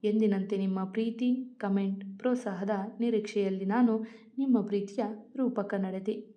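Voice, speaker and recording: A woman's voice: medium pitch, steady tone, moderate pace, warm tone. Woman reading a story aloud. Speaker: storyteller reading her own stories. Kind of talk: scripted story narration. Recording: dull lo-fi recording.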